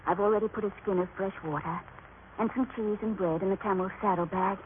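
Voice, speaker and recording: A woman playing a worried, tender, devoted wife in a radio drama, speaking in a gentle, pleading manner. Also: medium pitch, steady tone, quick pace, narrow, tinny audio, close to an everyday voice. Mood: tender, concerned. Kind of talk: old-time radio drama acting. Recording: thin, noisy old radio recording.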